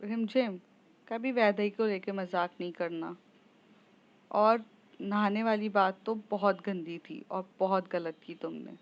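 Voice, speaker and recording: A woman's voice: mid-range voice, steady tone, unhurried, lightly acted. A woman voicing a flustered, jealous young woman who protests indignantly, on a slightly muffled recording. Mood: stern.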